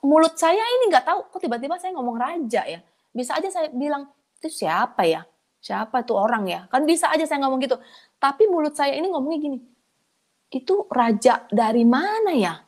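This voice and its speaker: A woman sharing a personal testimony in a casual, colloquial way, her voice leaping up when she gets excited. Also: fast. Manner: animated, pitch leaping up in excited moments; colloquial, chatty delivery addressing listeners as friends. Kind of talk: conversational testimony storytelling.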